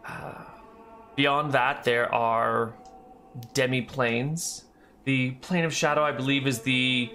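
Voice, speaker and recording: A man voicing a reserved woman, a head cleric who speaks softly and explains slowly with pauses. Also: mid-range voice.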